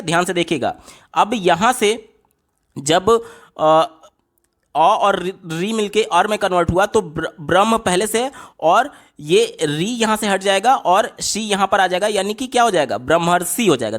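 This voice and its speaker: A man's voice: high voice, a bit bright. A man tutoring through a teacher exam paper, asking questions and answering them himself and repeating the right option. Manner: asks and answers his own questions, repeats answers.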